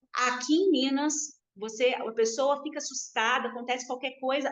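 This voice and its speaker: At a moderate pace, a woman with a Rio de Janeiro accent talks in a high pitch. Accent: Rio de Janeiro (carioca). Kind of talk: casual, conversational.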